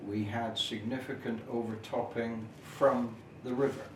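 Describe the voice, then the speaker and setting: A middle-aged or older man giving an informal, detailed explanatory talk as a local history presenter, in measured, formal phrasing with hesitant pauses. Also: medium pitch, level tone. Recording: echoey, noisy room, distant camera microphone.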